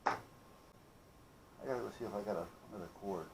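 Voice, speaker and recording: A man's voice: lowish voice, normal speed, creaky, background noise. A man talking in a casual, rambling, folksy way, like a DIY vlogger telling a story. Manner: folksy, salty-tongued, conversational.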